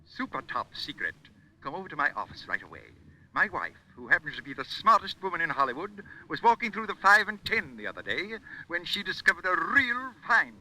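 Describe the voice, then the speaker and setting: A secretive studio boss on the phone. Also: male voice, high-pitched, big pitch swings, fairly quick, distant mic, a little hiss or hum, full character voice, poor audio. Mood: conspiratorial. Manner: hushed, urgent.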